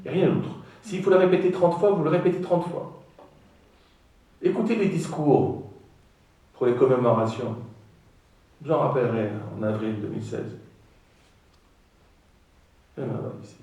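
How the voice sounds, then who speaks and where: A man's voice: medium pitch, warm tone. A man giving a public lecture in an auditorium, speaking emphatically and putting rhetorical questions to the audience. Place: large auditorium. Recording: echoey auditorium from far off.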